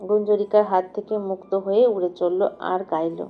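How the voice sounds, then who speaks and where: A woman narrating an audio novel in an expressive, dramatic, literary scripted style. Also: medium pitch, normal speed, narrow, tinny audio.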